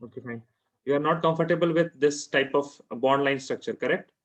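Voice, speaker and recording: This chemistry teacher, a man with a South Asian accent, speaks fairly quickly in a slightly high voice, and the recording has its highs cut off. It's informal one-to-one tutoring where he repeats himself and keeps checking understanding with questions.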